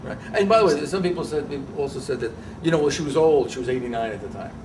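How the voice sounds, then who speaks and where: A middle-aged man speaking as a guest rabbi in casual interview talk, emphatic and animated, often restarting his phrases. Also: on the high side, quick pace. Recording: distant mic with background noise.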